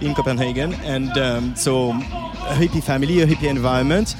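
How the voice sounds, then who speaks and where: Halting male radio interviewer at a festival. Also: medium pitch, fairly even intonation. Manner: halting, many uh fillers. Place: music festival, outdoors. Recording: live festival radio, loud music behind. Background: stage music playing.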